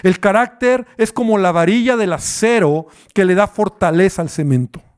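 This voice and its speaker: A man's voice: sits high, normal speed, clean tone. A man with a Mexican Spanish accent, a pastor preaching a sermon and asking the listener questions as he goes.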